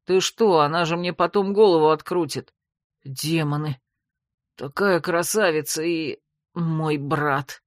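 A woman plays a flustered young man, the younger brother in a fantasy tale, his voice pitched low. He sounds defensive and bewildered, fumbling for excuses. The sound is dry and close. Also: a little slow, no room sound.

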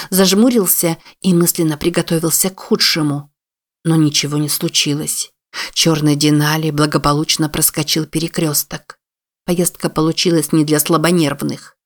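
An audiobook narrator reading a novel in steady scripted narration. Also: mid-range voice.

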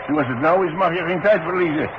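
An actor playing a proud, grumpy old veteran demolition worker, gruff and grudging, in a 1960s radio drama. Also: male voice, fairly high pitch, brisk, close to an everyday voice. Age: older. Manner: gruff, grudging, hesitant when pressed. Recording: muffled, noisy 1960s radio recording.

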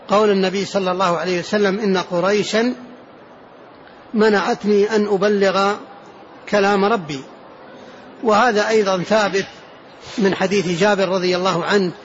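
High-voiced sheikh lecturing with deliberate repetition. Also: male voice, slight background noise. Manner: deliberate, repeats key phrases for emphasis. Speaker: sheikh teaching a creed text. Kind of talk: religious lecture explaining a classical text. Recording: muffled lo-fi lecture recording.

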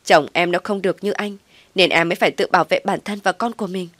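A defiant young pregnant daughter-in-law, voiced by a woman narrator argues back in sharp, pointed questions. The voice is raised and lowish in a dry, close recording. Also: steady tone, fast talker, no echo. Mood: indignant. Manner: sharp, argumentative.

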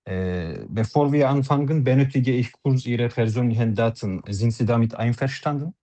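A man's voice: mid-range voice, normal speed, warm tone. A man as a doctor taking a patient's history in a practice interview, speaking formally and politely. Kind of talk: role-played doctor-patient practice talk.

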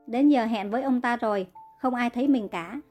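A woman's voice: fairly high pitch, brisk, darkish tone, faint music behind, natural voice. A woman reading the part of a kind young woman who pleads earnestly in a narrated story. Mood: pleading. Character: kind young woman healer, frightened captive.

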